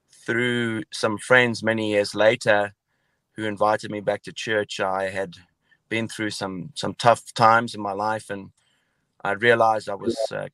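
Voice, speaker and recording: A man's voice: fairly low pitch, fairly bright tone, dry recording. A middle-aged man from Zimbabwe with a South African accent, telling his story as a radio guest over a video call, with many hesitations. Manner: hesitant, many fillers and restarts.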